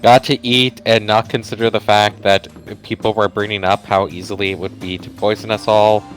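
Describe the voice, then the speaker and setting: Wry man with a lower voice. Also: level tone, moderate pace, low-quality recording. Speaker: player reading in a group game stream. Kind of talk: casual commentary mixed with script reading. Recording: game music behind the voice.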